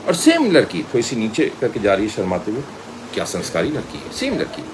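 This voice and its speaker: A middle-aged man with an Indian accent gives an informal lecture, telling personal anecdotes in an animated way and mixing in English phrases. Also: on the low side, brisk, noisy background. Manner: animated storyteller, acts out dialogue, mixes in English phrases. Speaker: media school director and voice trainer.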